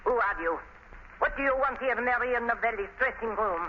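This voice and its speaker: An actress playing a frightened foreign widow and stage knife thrower in 1930s radio style, with accented, halting, dramatic broken English. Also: female voice, on the high side, natural voice. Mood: alarmed. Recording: noisy, dull 1930s radio recording.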